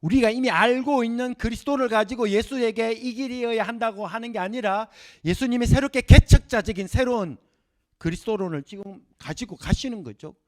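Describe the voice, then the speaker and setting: A middle-aged man giving a Bible seminar lecture, animated and acting out scenes for his class. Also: very high voice, brisk.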